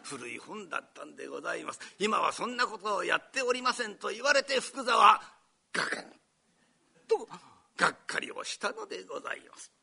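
An older man from Japan giving a formal, theatrical storytelling performance in a hall, breaking into shouted character voices. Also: sits high, animated, a little fast, creaky, slight background noise. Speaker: rakugo storyteller.

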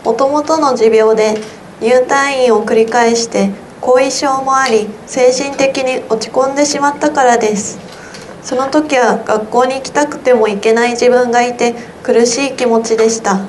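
A teenage girl, a high school student, slowly and carefully reading her own essay aloud at a symposium. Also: steady tone, slight background noise, rough recording. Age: teens. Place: symposium hall.

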